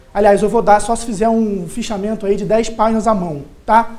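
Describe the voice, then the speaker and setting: With audible room echo, a man speaks fairly quickly. His pitch is high. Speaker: law professor. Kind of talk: lecture. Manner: animated.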